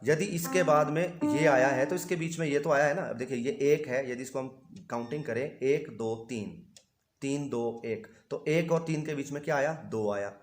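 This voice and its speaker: A man's voice: medium pitch, moderate pace. A man teaching music theory as a patient teacher who poses questions to his students and answers them himself, playing notes on an instrument between phrases. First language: Hindi. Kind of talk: explanatory music lesson.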